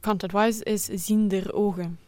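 A woman's voice: mid-range voice, fairly even intonation, moderate pace, warm tone, no room sound. A young woman from Belgium whose first language is Dutch, chatting casually on a student radio show and explaining things at length with fillers. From Belgium, Limburg in Flanders. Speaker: radio show host and guest.

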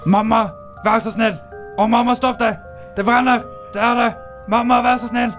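A man's voice: very high-pitched, little pitch movement, a bit bright, faint music behind, voice pushed up. A man voicing a possessed young girl who shrieks and pleads in pain. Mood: screaming.

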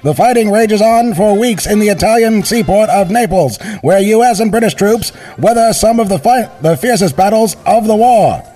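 A man voicing an energetic old-time male newsreel announcer in a comedic script read-through, declaiming over faint music. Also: high-pitched, moderate pace, hardly any pauses, voice pushed up. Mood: rousing.

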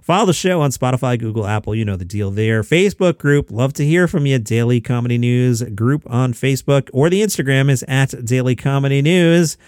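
A man's voice: mid-range voice, brisk, hardly any pauses, a little mellow, smooth, no echo, studio quality. A man hosting his podcast from his basement, chatting casually and rambling into asides, a bit out of breath. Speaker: podcast host. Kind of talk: casual chat. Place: home basement.

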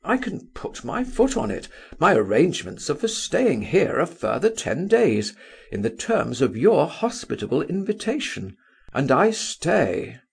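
A man's voice: medium pitch, gravelly, slightly rough, full character voice. A man voicing a pompous, orotund older clergyman in an audiobook novel.

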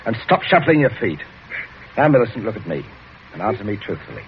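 A man's voice: on the low side, big pitch swings, fast. An actor playing a cold, domineering country squire and magistrate who interrogates his family in a clipped, commanding voice, in 1940s radio drama style. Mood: interrogating. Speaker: father. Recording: muffled old radio broadcast with hiss.

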